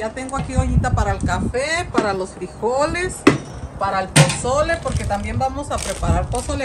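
The speech comes at a fairly quick pace over loud background noise. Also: woman. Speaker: home cook vlogger. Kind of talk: casual vlog chat. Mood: cheerful, laughing. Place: garden. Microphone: phone near.

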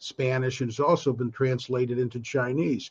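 Somewhat breathy, a man with a Chicago accent talks over a quiet background. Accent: Chicago American. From Chicago, US Midwest. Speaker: family lawyer. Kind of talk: panel discussion. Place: home room. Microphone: video call.

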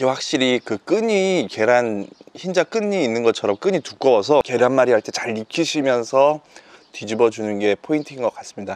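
A man's voice, dry with no echo, with ordinary pitch variation. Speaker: mukbang video host. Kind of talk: casual vlog chat. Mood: relaxed, amused. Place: open country. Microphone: lapel.

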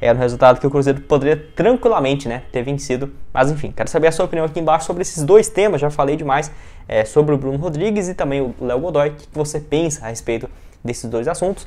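This man's voice sits fairly high and moves with ordinary pitch variation. He talks at a very fast pace. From Brazil. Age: 20s. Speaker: football news youtuber. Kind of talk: casual monologue to camera. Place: home room. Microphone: lapel.

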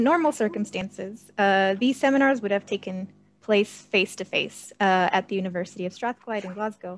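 A woman talks at a fairly high pitch with ordinary pitch variation and hardly any pauses. She has a plain, everyday voice. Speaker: webinar moderator. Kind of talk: formal moderation. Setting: video call. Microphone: video call.

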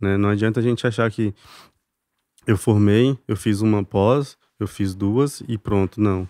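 A man speaks fairly slowly in a fairly low, dark, mellow voice with fairly even intonation and long, frequent pauses. The sound is dry and close with no echo, a very clean recording against a silent background. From Brazil, countryside. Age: 30s. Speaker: veterinarian. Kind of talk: casual interview.

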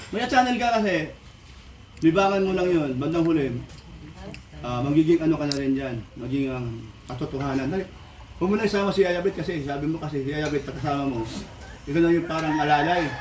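Amid audible room echo, a man with a fairly high pitch speaks at a very fast pace yet leaves long, frequent pauses. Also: ordinary pitch variation. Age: 60s. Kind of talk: casual chat.

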